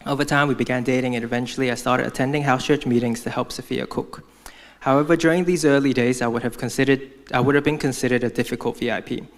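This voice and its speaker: A man's voice: mid-range voice, creaky. A young man from Hong Kong giving a prepared church testimony, speaking earnestly as if from notes.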